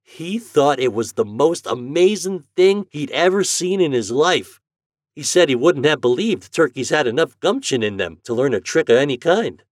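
Man voicing a jolly freckled farm boy, high and loud, lively rustic drawl, storybook, dry close sound. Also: moderate pace, dry recording. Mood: eager, boastful. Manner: rustic old-time country dialect. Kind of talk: storybook character voice.

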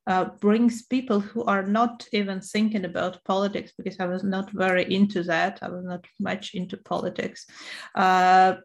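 A woman in her thirties from Ukraine with a Ukrainian accent, answering interview questions in a halting way, full of "uh" and "um" fillers. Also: lowish voice, vocal fry. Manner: hesitant, many uh and um fillers. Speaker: interview guest.

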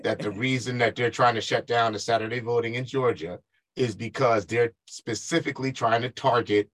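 A man's voice: medium pitch, steady tone, moderate pace, rough recording. A man hosting a radio talk show, pressing his co-host with probing questions, interrupting and teasing. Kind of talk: heated talk-radio debate.

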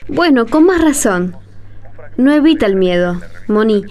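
A woman's voice: on the high side, animated, measured pace, a little mellow. A woman with an Argentine accent playing a concerned, thoughtful young parish woman in a radio drama. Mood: realizing. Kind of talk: Spanish-language radio drama acting.

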